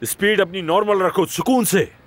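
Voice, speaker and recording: A middle-aged man voicing a patient husband who coaxes and calms others in a dubbed TV drama. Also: high voice, normal speed, background noise, natural voice. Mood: coaxing. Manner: coaxing, soothing.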